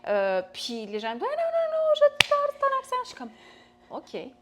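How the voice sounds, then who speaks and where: A woman's voice: very high-pitched, wildly swooping pitch, moderate pace, noisy background. A young woman who speaks French with a non-native accent, chatting as a podcast guest with frequent restarts and fillers. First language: not French. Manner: hesitant, many restarts and fillers. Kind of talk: casual conversation.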